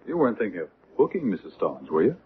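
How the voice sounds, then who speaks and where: A reasonable, gentlemanly doctor in a 1970s radio drama. He speaks briskly and formally in a low voice, through thin old broadcast sound. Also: wildly swooping pitch. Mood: reasonable, protective. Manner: formal, smooth-talking. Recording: muffled, noisy old radio recording.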